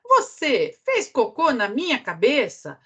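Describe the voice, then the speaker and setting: A woman voicing a small, near-sighted young female mole who keeps asking in a high, insistent voice, reading a storybook aloud. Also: huge pitch swings, slow pace, a bit bright, breathy edge, exaggerated voice. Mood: indignant. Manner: high, insistent repeated questioning.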